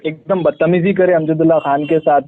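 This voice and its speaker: A man's voice: a little high, fairly even intonation, a little fast, a crowd in the background. A man, a caller on a narrow muffled phone line, asking questions politely and informally. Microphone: telephone.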